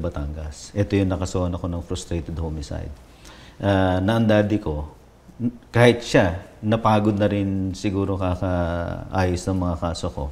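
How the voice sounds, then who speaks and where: A pastor appearing as an interview guest reflects on his personal testimony, moving between Tagalog and English. His voice is low-pitched and a little mellow.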